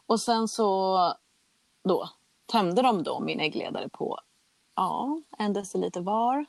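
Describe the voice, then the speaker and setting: A woman's voice: medium pitch, expressive, gravelly, darkish tone, dry recording. A young adult woman tells a personal story in a candid, chatty way and acts out the conversations she recounts. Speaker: guest telling her story.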